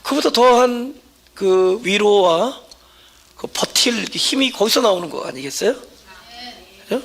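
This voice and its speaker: A man's voice: sits high, expressive, measured pace, a bit bright. A man preaching a Sunday sermon as pastor at a church service, talking conversationally and often checking in with the congregation.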